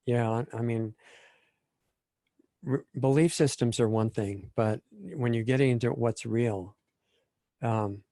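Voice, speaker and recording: A man speaking as a guest in a spiritual interview, calm, measured and reflective. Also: fairly low pitch, dry recording.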